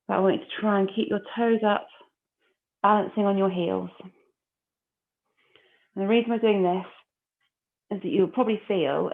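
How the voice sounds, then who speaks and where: A woman leading a core exercise class, giving calm, encouraging cues and breath counts. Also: medium pitch, vocal fry. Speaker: fitness instructor. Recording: phone-like narrow audio.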